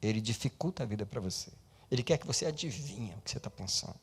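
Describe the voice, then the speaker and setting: A male pastor preaching an animated sermon, swinging between loud and soft and slipping English words into his speech. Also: medium pitch, fast, slight background noise.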